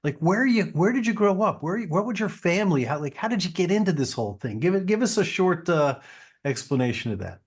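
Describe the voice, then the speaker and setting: A man's voice: sits high, very animated, brisk, slightly rough. A man hosting a podcast interview, an orthopedic surgeon who talks in an enthusiastic, effusive, promotional way.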